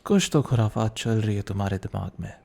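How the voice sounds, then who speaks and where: A man playing a young student boyfriend, teasing and protective, in an intimate ASMR roleplay with a soft conversational delivery. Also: on the low side, animated, brisk, vocal fry. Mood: indulgent, suspicious.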